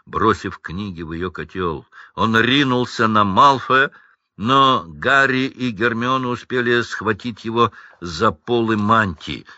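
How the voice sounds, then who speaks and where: A man reading a children's fantasy book aloud, narrating with lively, measured expression. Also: fairly low pitch, no echo, muffled recording. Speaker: audiobook reader.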